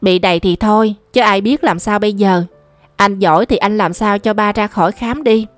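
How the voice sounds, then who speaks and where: A woman's voice: medium pitch, moderate pace, dry recording, faint music behind, close to an everyday voice. Petulant young girl, read by a woman. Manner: petulant, grumbling. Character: young girl, pampered half-sister, petulant.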